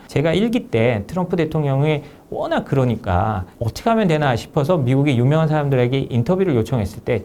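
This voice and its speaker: A man, an author being interviewed as a guest, giving measured and emphatic analytical explanations. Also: a little high, mellow, a little hiss or hum.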